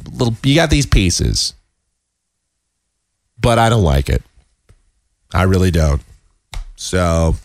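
A man hosting a casual sports podcast, hoarse and sick with a cold, talking in a rambling, self-deprecating way with many halting restarts. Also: low voice, dry recording. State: hoarse, losing his voice. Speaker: podcast host.

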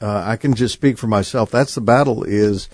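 A man hosting a Christian radio talk show, conversational and a little halting, with many fillers. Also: fairly low pitch, darkish tone, dry recording.

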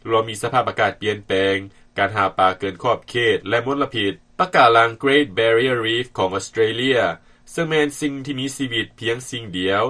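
A man with a Lao accent delivers a scripted news report. His voice is mid-pitched, with a sharp, forceful brightness. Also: normal speed.

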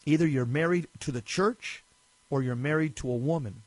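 Male Catholic talk host, earnest and preachy, a little high-pitched, dry close sound. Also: moderate pace, a little mellow, no room sound, rough recording. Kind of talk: religious talk, reading and commenting on articles.

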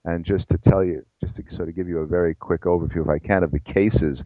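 A man's voice: sits low, fairly even intonation, quick pace, no room sound, phone-quality sound. A middle-aged man, a psychologist and professor, answering interview questions in a discursive, self-deprecating way with many restarts.

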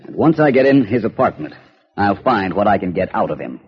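An actor playing a suave, composed detective with a dry, ironic manner, in 1940s radio-drama style. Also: male voice, fairly low pitch, very animated, a little fast, heavy background noise. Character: suave urbane male detective. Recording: dull old radio recording.

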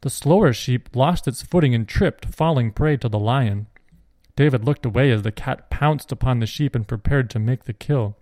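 A man reading a Christian children's adventure story aloud in a steady, clear narration. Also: medium pitch, moderate pace, no room sound, clean studio sound.

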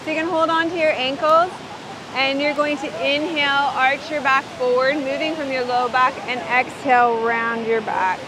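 A woman instructing a yoga class outdoors, speaking up over the rushing water of a river and waterfall. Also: high-pitched, fairly even intonation, noisy background.

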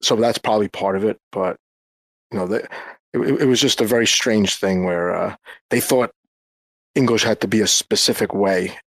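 A man from New York, a guest in a casual group chat, talking in a halting way as he searches for words and restarts often. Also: fairly low pitch, a bit bright, dry recording. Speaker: guest, former English teacher.

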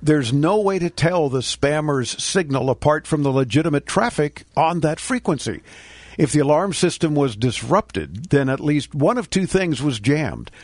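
A man's voice: fairly high pitch, no echo. A man hosting a radio tech show, chatty and joking as he answers questions. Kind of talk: casual radio talk.

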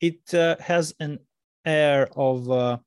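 A man from Russia, hosting an interview and asking questions haltingly, often restarting. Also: on the high side, a little mellow, smooth, dry recording, clean studio sound. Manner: halting, many restarts and fillers. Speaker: podcast host. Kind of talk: casual interview chat.

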